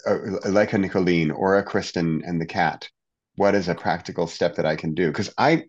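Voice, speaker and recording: A man with a very deep, low voice hosts a podcast conversation. He sounds open and encouraging, often backing his guest with quick affirmations, and the audio is somewhat dull and lo-fi. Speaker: podcast host.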